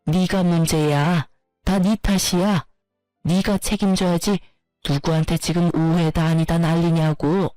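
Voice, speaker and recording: A woman's voice: lowish voice, fairly even intonation, measured pace, warm tone, no room sound, soft background music, lightly acted. Casting: a woman doing a harsh, insulting older mother-in-law in a dramatized story; close, dry delivery. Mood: berating. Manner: scolding, insulting, berating.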